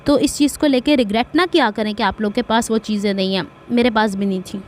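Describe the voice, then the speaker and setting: A woman's voice: on the high side, a little hiss or hum. A middle-aged woman from Pakistan with a Punjabi accent, giving a chatty sewing tutorial and wandering into asides and blessings. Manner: speaks slowly on purpose. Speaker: sewing vlogger.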